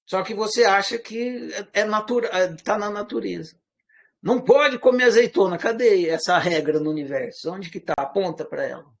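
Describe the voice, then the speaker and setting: A man with a fairly high voice and a Brazilian accent that mixes Minas Gerais with rural caipira. He lectures in a loose, conversational way and keeps asking his listeners questions. His pitch and loudness swing widely as he makes his points. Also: normal speed, vocal fry. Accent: Brazilian Portuguese, part Minas Gerais, part rural caipira. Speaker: teacher. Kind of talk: informal spoken lecture.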